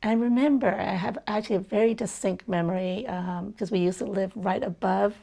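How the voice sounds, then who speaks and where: A woman's voice: medium pitch, brisk, vocal fry, dark tone. A middle-aged woman physician from Burma, talking thoughtfully in an interview, with many fillers and restarts. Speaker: physician guest. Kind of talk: conversational interview.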